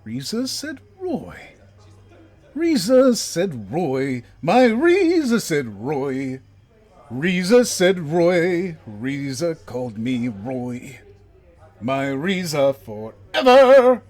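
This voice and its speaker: Slurring, swooping drunk general. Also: male voice, a little high, huge pitch swings, darkish tone, exaggerated voice. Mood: gleeful, besotted. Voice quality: slurred speech. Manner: drawn-out, giddy, swooping drunken delivery. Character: very drunk, clingy, childishly affectionate military general. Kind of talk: fan audio drama acting.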